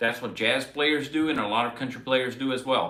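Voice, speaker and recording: A man speaks at medium pitch. Audible room echo and noticeable background noise surround his voice. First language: Portuguese. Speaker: guitarist and guitar teacher. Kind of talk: live stream Q&A and guitar tutorial. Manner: casual, with many fillers.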